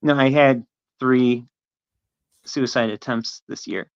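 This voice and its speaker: A trans woman speaking as a podcast guest, hesitant and soft-spoken with frequent ums. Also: extremely low pitch, takes it slowly, clear, resonant tone, highs cut off. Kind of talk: casual podcast conversation.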